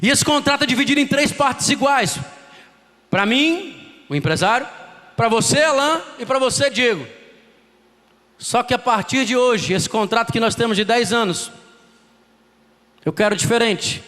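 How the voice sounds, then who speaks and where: A man's voice: very high voice, moderate pace, pauses often, fairly bright tone, big-room sound, pitched above the performer's own voice. A man voicing a greedy, demanding male music manager in a raised, insistent tone.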